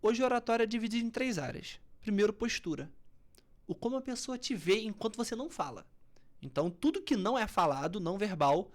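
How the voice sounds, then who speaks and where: Brisk and medium in pitch, a Brazilian woman talks about public speaking as a coach on a podcast interview. Highly expressive, she shifts from loud, firm stress to soft, almost whispered passages to illustrate tone of voice.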